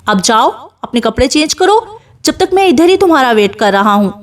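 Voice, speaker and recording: An arrogant, hot-tempered rich young man from an audiobook novel, curt and threatening in every line, read by a woman. His voice sits fairly high, since the storyteller keeps her own register. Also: very animated. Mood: furious. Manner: harsh, threatening, commanding.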